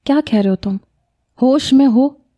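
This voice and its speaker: A woman's voice: high voice, muffled recording, voice pushed up. A woman voicing a stern, protective middle-aged mother in a read-aloud story, scolding sharply. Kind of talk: storybook reading.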